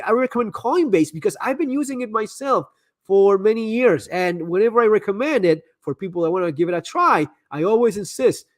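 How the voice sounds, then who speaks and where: A man's voice: high voice, a bit bright, no echo, studio quality. A man hosting a live stream, chatting casually and giving candid advice, often repeating words as he restarts sentences. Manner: frequent stammered repeats and restarts. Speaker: live stream host answering viewer messages.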